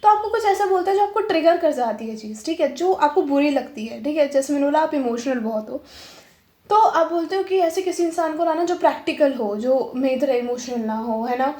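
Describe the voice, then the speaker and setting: A woman's voice: high-pitched, lively intonation, brisk, warm tone. A woman giving a pick-a-pile tarot reading. She switches between Hindi and English and keeps adding "ठीक है". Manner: mixes Hindi and English, often adds "ठीक है". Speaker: tarot reader. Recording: roomy echo.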